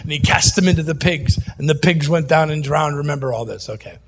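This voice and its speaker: A man preaching a sermon, animated and jokey, moving between loud outbursts and quiet asides. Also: fairly high pitch, a little fast, slight background noise.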